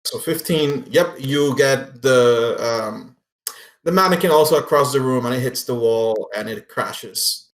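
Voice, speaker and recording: A man's voice: medium pitch, a little slow. Casual male game master in an echoey room. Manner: casual, profane. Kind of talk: narrating a tabletop role-playing game. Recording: roomy echo, faint music behind.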